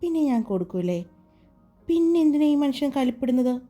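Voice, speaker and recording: A woman's voice: sits high, sing-song, moderate pace, mellow, soft background music. A woman voicing a feisty young woman friend who talks bluntly and scolds, in a story reading. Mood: indignant.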